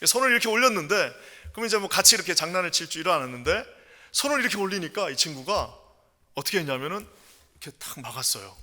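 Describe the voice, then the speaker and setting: A male pastor preaching a sermon with passion, moving between quiet storytelling and loud, ringing proclamation. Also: high voice, sing-song, fast talker, long reverb tail. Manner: impassioned, swings from hushed storytelling to loud proclamation. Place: church sanctuary.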